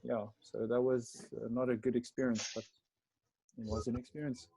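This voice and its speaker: A man's voice: medium pitch, flat delivery, moderate pace, vocal fry, mellow, husky, no echo. A man, a pastor, recounting a personal experience to a group in a reflective, hesitant way with many fillers. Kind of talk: personal story in a group call.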